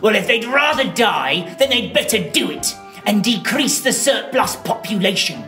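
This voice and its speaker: A woman's voice: medium pitch, animated, moderate pace, fairly bright tone, echoey room, soft background music, lightly acted. A woman voicing a mean, miserly old man who speaks curtly and scornfully in a children's puppet show. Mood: cold, grudging. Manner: curt, scornful.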